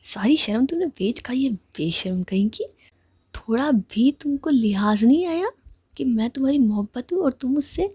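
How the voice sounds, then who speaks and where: A woman's voice: sits high, lively intonation, moderate pace, dark tone, breathy edge, no echo, clean studio sound, pitched above the performer's own voice, full character voice. A woman voicing a playful young woman who teases and scolds her lover in a spoken love story. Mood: teasing scolding. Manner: scolding, teasing.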